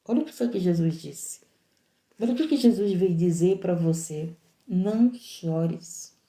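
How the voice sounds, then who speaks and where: A woman's voice: fairly low pitch, animated, normal speed, warm tone, roomy sound. A woman, a missionary preaching a sermon in an impassioned, repetitive, emphatic way.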